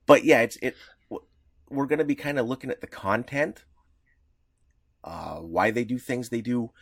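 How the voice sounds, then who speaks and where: A man co-hosting a casual podcast, explaining in a rambling, halting way full of restarts. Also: medium pitch, vocal fry, no echo, clean studio sound. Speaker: podcast co-host.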